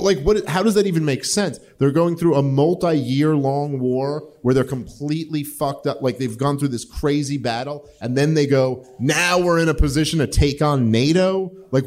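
A man's voice: a little high, a little mellow. A man around forty, a podcast host answering audience questions in a rambling, profane way with lots of filler words. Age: 40s. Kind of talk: casual live Q&A talk.

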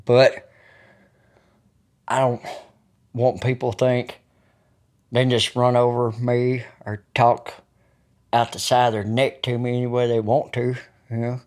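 A man's voice: medium pitch, little pitch movement, measured pace, pauses often, a little mellow. A man in his early fifties with a rural American country accent, talking candidly and bluntly with plenty of swearing. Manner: blunt, profane, folksy drawled phrasing. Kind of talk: raw, candid talk.

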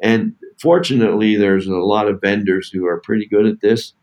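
A low-pitched man who founded a tech company, talking casually as a podcast guest. He stops and restarts often, filling gaps with "uh" and "you know". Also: fairly even intonation, a little mellow. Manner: halting, many fillers and restarts. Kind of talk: casual podcast interview answers.

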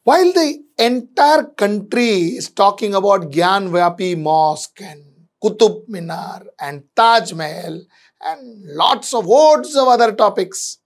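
A woman with an Indian accent hosting an editorial commentary, speaking emphatically and repeating phrases for stress, her voice slightly strained by a throat problem. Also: a little high. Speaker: host of an editorial show. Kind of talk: scripted editorial commentary addressed to viewers.

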